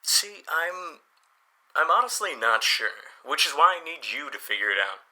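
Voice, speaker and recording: A man's voice: fairly high pitch, big pitch swings, moderate pace, sharp tone, exaggerated voice, poor audio. A man playing a helpful, easygoing small-town newspaper boss in an audio drama, chatty and encouraging as he explains things. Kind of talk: audio drama dialogue, conversational.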